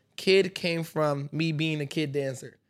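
A man talks at a fairly slow pace with an American accent. The recording is very clean and the background silent. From South Florida. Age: 20s. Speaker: street dancer. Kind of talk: casual chat.

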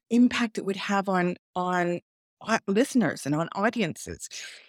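A woman with a plain, everyday voice and lively intonation at a fairly slow pace, on a very clean recording with a silent background and a dry, close sound free of echo. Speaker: theatre director and playwright. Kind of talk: interview.

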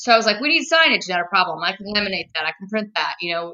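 A woman with an American accent talks very fast at a medium pitch, her tone bright and sharp. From Lansing, Michigan. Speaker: nonprofit chapter executive director. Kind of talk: casual interview.

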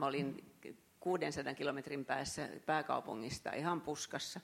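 A woman speaks at a very slow pace in a very deep, low pitch. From Finland. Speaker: audience member. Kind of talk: personal anecdote. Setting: chapel with audience.

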